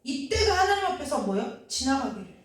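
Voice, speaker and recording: A woman's voice: high-pitched, big pitch swings, a little fast. A woman preaching a sermon in earnest, asking the congregation questions as she goes. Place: church sanctuary. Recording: very echoey, from far off.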